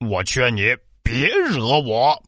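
A man's voice: medium pitch, huge pitch swings, takes it slowly, fairly bright tone, no echo, clean studio sound, exaggerated voice. A man voicing a big, bragging male black bear in a children's story, blustering and proud of his strength. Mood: boastful.

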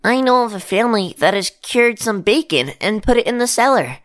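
A woman's voice: a little high, expressive, brisk, fairly bright tone, no room sound, studio quality. A woman voicing a small, sly male fox in a children's cartoon story, nervous and eager to please.

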